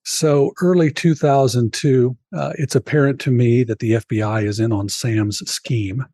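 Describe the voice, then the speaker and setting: An older man, around sixty, shares a personal story as a podcast guest. His voice is mellow and slightly raspy, recorded dry and close on the mic. He speaks earnestly and reflectively, turning to the host by name. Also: medium pitch, fairly even intonation, measured pace, no echo.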